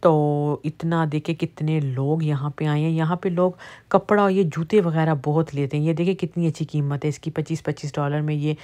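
A low-pitched, dark voice with a steady tone belongs to this middle-aged vlogger from Pakistan. At a moderate pace, she chats about prices for a casual shopping vlog shot on a handheld phone in a large warehouse store.

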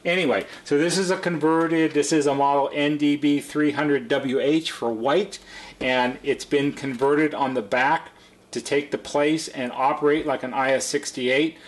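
A man's voice: a little high, steady tone, a little slow. A middle-aged man presenting an unscripted how-to demonstration at a workbench, explaining step by step in a plain-spoken way like a repair technician. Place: indoor workshop at a workbench.

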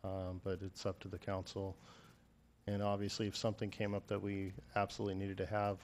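Gravelly, monotone American man. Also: deep voice, a little fast, a little hiss or hum. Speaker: assistant city manager. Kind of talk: explanatory meeting remarks. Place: council chamber. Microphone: gooseneck desk microphone.

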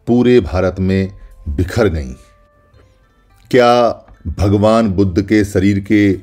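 A man's voice: lowish voice, dark tone. A man giving a solemn, scripted documentary narration, speaking in first person as if he were the ancient caves, listing names one by one. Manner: deliberate, lists names one by one. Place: voice-over.

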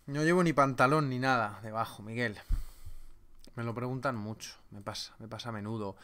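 A man's voice: medium pitch, a little fast, fairly bright tone. A man hosting a live trading webinar, reading viewer names and joking with the chat. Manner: joking, banters with chat, reads names aloud. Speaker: trading seminar host.

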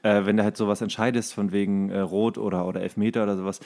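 A man co-hosting a casual football chat, talking colloquially and telling things in an animated, slangy way. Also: lowish voice, fast talker. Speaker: podcast co-host.

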